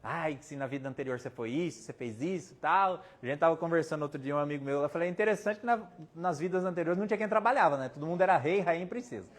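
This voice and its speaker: A man's voice: fairly high pitch, rapid-fire, hardly any pauses. A Brazilian man with a Brazilian Portuguese accent giving a casual spiritist talk, telling anecdotes and quoting people with jokes along the way. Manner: chatty, anecdotal, quotes people in his stories, jokes. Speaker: spiritist medium speaker. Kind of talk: casual storytelling talk with audience questions.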